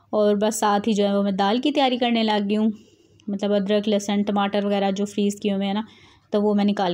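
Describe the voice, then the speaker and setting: A woman speaks in a dark, mellow voice at a medium pitch. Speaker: home cooking vlogger. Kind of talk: voice-over narration of cooking vlog. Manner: casual, conversational with fillers.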